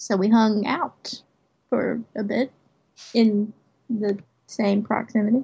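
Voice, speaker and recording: A somewhat breathy woman's voice at a fairly high pitch, very slow, with long, frequent pauses and fairly even intonation. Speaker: blogger and podcast co-host. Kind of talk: casual chat.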